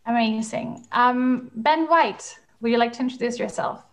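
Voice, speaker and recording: A woman's voice: on the high side, normal speed, a bit bright. A young woman hosting a panel over a video call, upbeat and enthusiastic, with frequent fillers. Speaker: panel moderator. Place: home room, in England.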